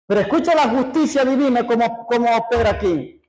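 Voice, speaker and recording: A man preaching a sermon, reading scripture slowly and breaking off for conversational asides to the congregation. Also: extremely high pitch, a little mellow, poor audio. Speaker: pastor.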